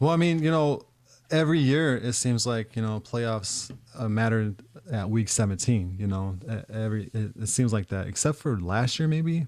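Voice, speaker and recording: This is a man with an unremarkable speaking voice at medium pitch. He talks at a moderate pace with lively intonation. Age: 40s. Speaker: sports podcast co-host. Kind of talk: casual chat.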